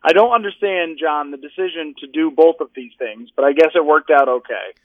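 A man's voice: a little high, a little fast, no echo. A man being interviewed as a guest over the phone, talking in a dry, sarcastic way with rambling restarts. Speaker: sports writer and analyst, guest. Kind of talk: casual interview chat. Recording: tinny phone line.

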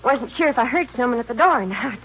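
A woman's voice: a little high, lively intonation, quick pace, a bit bright. An actress playing an evasive, guarded young American woman in a 1950s radio drama, feigning innocence. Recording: muffled, slightly noisy old radio recording.

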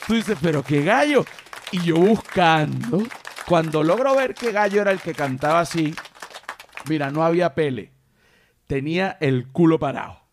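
A man hosting a podcast, telling anecdotes in a casual, animated way. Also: fairly high pitch, moderate pace, some chatter behind, slight background noise. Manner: animated storyteller, mimics animal cries. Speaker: podcast host.

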